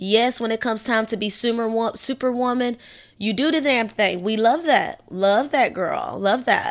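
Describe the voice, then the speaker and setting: The very clean recording with a silent background captures a woman speaking at a fairly high pitch and fairly slow pace with ordinary pitch variation. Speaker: solo podcast host on astrology and spirituality. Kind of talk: casual solo monologue, partly livestreamed. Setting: live stream on social media. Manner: sweet, nice way of speaking; relaxed, with many fillers.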